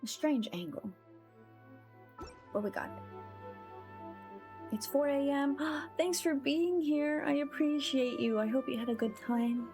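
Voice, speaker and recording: A woman's voice: high voice, unhurried, long pauses, a little mellow. A woman live-streaming a game in a playful, chatty way, welcoming her viewers as she plays. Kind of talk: casual chat while playing. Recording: game music behind the voice. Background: game music.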